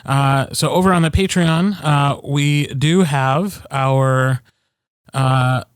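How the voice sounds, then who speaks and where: A man's voice: medium pitch, slow pace, no room sound, studio quality. A man co-hosting a podcast in casual chat, with wry, self-deprecating humor. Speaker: podcast co-host. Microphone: close podcast microphone, dry sound.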